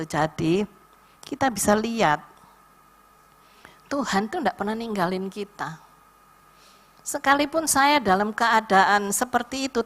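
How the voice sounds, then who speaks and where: An older woman with an East Javanese accent, giving a lively casual testimony at a church prayer visit. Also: mid-range voice. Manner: lively storytelling, acts out voices.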